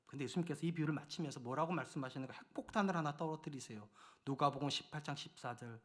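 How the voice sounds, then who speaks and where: A middle-aged man preaching a Sunday sermon as senior pastor. He swings between loud, urgent pleading and hushed near-whispers. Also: a little high, fast.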